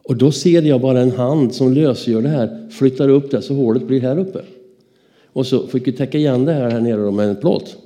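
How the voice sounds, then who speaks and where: A Swedish man giving a lively Christian testimony as a story, acting out the dialogue. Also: mid-range voice. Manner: animated, acts out dialogue in his stories. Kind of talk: anecdotal storytelling.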